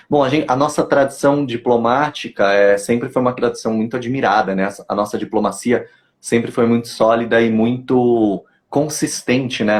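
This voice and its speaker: A Brazilian man hosting a live interview, asking long, conversational questions. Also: mid-range voice. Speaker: host, English teacher. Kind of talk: casual video interview.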